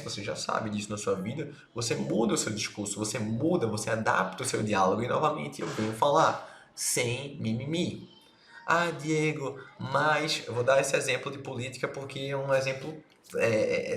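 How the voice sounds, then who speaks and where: A man's voice: mid-range voice, fairly bright tone. Brazilian man teaching in an echoey room. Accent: Brazilian Portuguese. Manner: slangy, direct, talks straight to the viewer. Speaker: online marketing instructor. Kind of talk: casual recorded course lesson. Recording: echoey room, faint noise.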